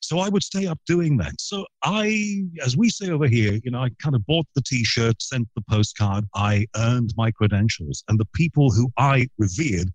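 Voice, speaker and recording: A middle-aged radio broadcaster from Liverpool with a trained neutral English accent tells long, rambling stories with plenty of asides in a guest interview. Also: male voice, medium pitch, normal speed, hardly any pauses, dry recording, low-quality recording. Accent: neutral southern English broadcast accent. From Liverpool, England. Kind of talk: anecdotal interview storytelling.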